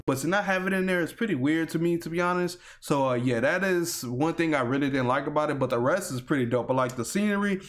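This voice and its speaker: A man giving casual, slangy, excited reaction commentary while a game trailer plays. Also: fairly high pitch, fast, few pauses. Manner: excited, slangy, talks over the video. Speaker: YouTube gaming reactor. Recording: music from the trailer underneath. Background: game trailer audio playing.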